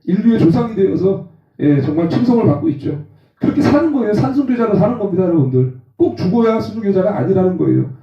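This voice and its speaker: A man in his forties preaching a testimony sermon, lively and acting out rough quarrels in slang. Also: high-pitched, quick pace. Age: 40s. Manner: animated, acts out rough phone quarrels with slang. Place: church hall. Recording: roomy, distant, dull sound.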